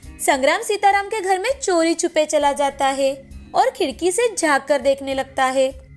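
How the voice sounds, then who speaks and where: A woman narrating a scripted cartoon story in a clear, even storytelling manner. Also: high voice.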